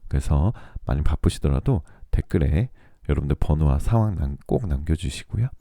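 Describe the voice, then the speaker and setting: A man reading tarot for listeners in a soothing, polite, measured radio-like style, his voice still recovering from a throat cold. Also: extremely low pitch, lively intonation, warm tone, no room sound, clean studio sound. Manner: soothing, polite, measured delivery meant to lull listeners to sleep. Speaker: tarot reader and channel host.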